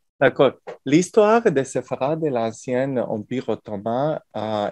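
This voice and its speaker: A man with a non-native accent and ordinary pitch variation, in a dry, close sound with no echo. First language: not French (speaking French). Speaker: university professor. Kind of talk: lecture with slides. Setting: library event with audience. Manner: halting, searching for words.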